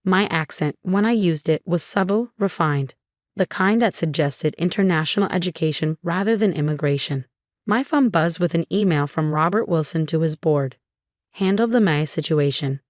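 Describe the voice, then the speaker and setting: A woman narrating a scripted first-person revenge story in a composed, even way. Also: on the low side, moderate pace, dry recording, clean studio sound.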